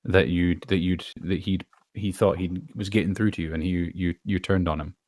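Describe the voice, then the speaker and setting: A man's voice: low-pitched, steady tone, normal speed, a little mellow, dry recording. A man chatting casually on a podcast as a voice actor, earnest and emphatic.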